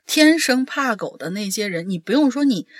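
A woman from Shanxi in a casual chat, chatty and quick to agree and chime in. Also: a little high, animated, no room sound, clean studio sound. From Shanxi, China.

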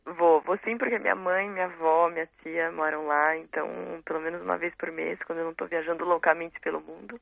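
A reflective Brazilian woman in her thirties, pausing to find her words as she talks about her work. Her voice has a gravelly fry and comes through a tinny, dry phone line. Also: lowish voice, steady tone, no echo. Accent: Brazilian Portuguese. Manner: reflective, searching for words, frequent tag questions. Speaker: guest poet. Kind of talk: casual interview talk. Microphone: phone call.

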